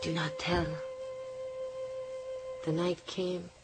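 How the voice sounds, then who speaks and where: Over loud music, a woman voices a young Native American girl narrating her journal in an audio drama. She speaks very slowly and rather low, with earnest, hushed wonder and a sense of suspense. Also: flat delivery. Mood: reflective.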